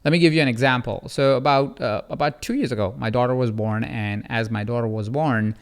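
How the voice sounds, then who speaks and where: Podcast host, man in his thirties, smooth resonant voice, lively storyteller. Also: brisk. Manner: animated, acts out quotes with rising pitch. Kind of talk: conversational storytelling.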